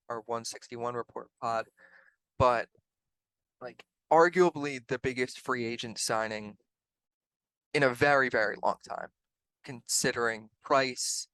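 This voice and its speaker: Casting: man, mid-pitched sports podcast co-host, chatty and analytical, dry sound. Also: a bit bright, clean tone, no room sound, poor audio. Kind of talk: casual sports chat.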